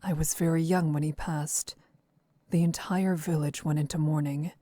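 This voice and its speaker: A woman's voice: low voice, steady tone, normal speed, dark tone. An actress playing a composed, reserved young woman traveler in a visual novel, speaking formally and with restraint. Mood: subdued, wistful.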